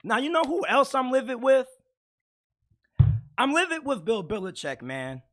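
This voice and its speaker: Hoarse high-voiced man ranting about sports. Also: very animated, moderate pace, a bit bright. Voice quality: raspy. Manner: blunt, opinionated, gets heated. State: hoarse from yelling. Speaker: sports commentator host. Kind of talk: casual sports talk.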